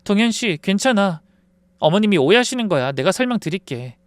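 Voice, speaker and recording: A smug, scheming young daughter-in-law, as a man puts her on, coldly polite and defiant. The voice is high, smooth and clear, set in a dry, close recording. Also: sing-song, fairly quick, dry recording. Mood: soothing. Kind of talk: dramatized story reading.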